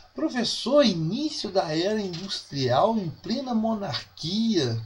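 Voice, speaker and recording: With a high pitch and very wide pitch swings, a man speaks at a very slow pace amid noticeable background noise and audible room echo. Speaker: history teacher. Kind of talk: lecture. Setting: home at night. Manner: speaking quietly.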